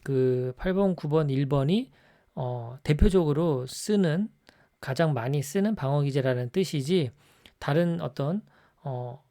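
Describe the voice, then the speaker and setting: A man giving an explanatory lecture on personality types in a conversational way, often checking in with the listener with a quick rising tag. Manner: acts out scolding examples in a louder, higher voice.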